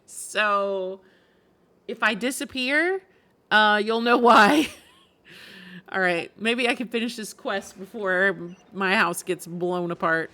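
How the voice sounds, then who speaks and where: A woman's voice: mid-range voice, slow pace, pushed and bright. A woman game streamer giving casual live reactions, musing aloud in a conversational way.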